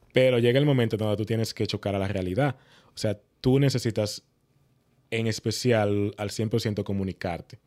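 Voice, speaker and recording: A man with an unremarkable speaking voice talks at a moderate pace with fairly even intonation. The recording is very clean with a silent background and a dry, close sound with no echo. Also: fairly low pitch for a man. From Dominican Republic, Moca. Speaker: doctor. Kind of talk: interview.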